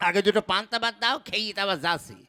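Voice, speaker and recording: A man's voice: sits high, very fast. A man voicing a bumbling husband. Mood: bossy, hungry. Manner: loud calling, then groaning and whining. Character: rural village husband, fussy and bumbling. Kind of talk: puppet show voice acting.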